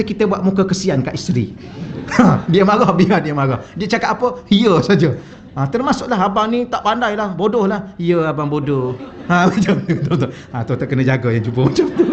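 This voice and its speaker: A man's voice: sits high, a little hiss or hum. A man with a Malaysian Malay accent, a religious teacher giving a chatty, humorous mosque lecture full of anecdotes, on a wireless mic in a mosque hall. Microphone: wireless microphone. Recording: slightly dull lo-fi sound.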